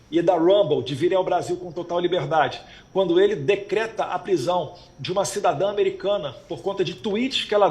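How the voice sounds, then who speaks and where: A man with a notably high voice speaks over a video call. He argues emphatically, piling point on point. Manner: rapid, argumentative, emphatic. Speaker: remote guest. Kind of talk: political commentary and chat.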